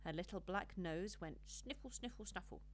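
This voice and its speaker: A woman reading a children's storybook as an audiobook narrator, with an expressive, measured storytelling delivery. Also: lowish voice, a little hiss or hum.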